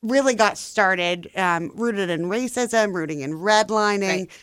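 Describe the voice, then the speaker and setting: Smooth-voiced woman discussing books. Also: mid-range voice, a little slow, a bit bright, no room sound, studio quality. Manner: earnest, explanatory. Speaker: podcast co-host. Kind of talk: casual book chat.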